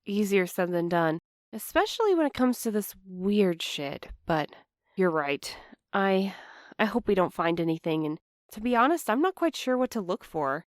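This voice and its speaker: A woman playing an anxious, apologetic young postal worker in a fiction podcast, earnest and halting in her delivery. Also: mid-range voice, big pitch swings, no room sound, clean studio sound, close to an everyday voice. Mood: guilty, hesitant. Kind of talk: fiction podcast audio drama acting.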